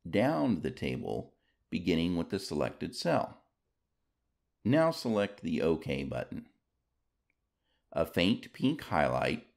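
Low gravelly guy doing a scripted how-to voiceover. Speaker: tutorial narrator. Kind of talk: scripted instructional narration.

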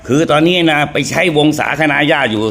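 Halting man in a played clip. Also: a little high, vocal fry, fairly bright tone, breathy edge. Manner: halting, with many fillers.

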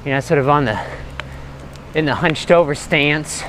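A man's voice: fairly high pitch, moderate pace, fairly bright tone. A man chatting casually and unscripted as he rides a bicycle, rambling and hesitant as he hosts his vlog. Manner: rambling, hesitant, talking while pedalling. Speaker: cycling vlogger, host. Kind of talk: casual unscripted chat while riding. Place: outdoors on a bicycle on suburban roads. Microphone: body-worn action camera. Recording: outdoor ride with road and traffic noise. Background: faint road and vehicle noise.

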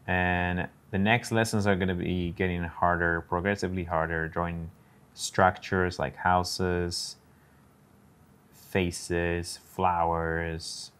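A man's voice: sits low, little pitch movement, slow, a bit bright, clean tone. A man casually narrating his drawing steps on a live stream, talking through each step and greeting viewers in chat.

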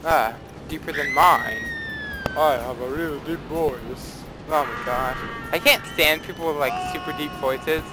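A man's voice: on the high side, unhurried, over music, low-quality recording. A young man casually commenting on his own gameplay, rambling and playfully dramatic, with a desktop mic and faint background noise. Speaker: let's play host.

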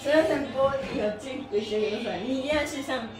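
Casting: middle-aged female exercise host, fairly high voice, bubbly and playfully polite, roomy live-stream sound over music. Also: fast. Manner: bubbly, animated, playfully polite, addressing body parts and objects with honorifics. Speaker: stretching class host and mime teacher. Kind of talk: upbeat live exercise lesson, chatting and counting out moves. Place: small room with mat on the floor, indoors. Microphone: phone or camera a metre or two away.

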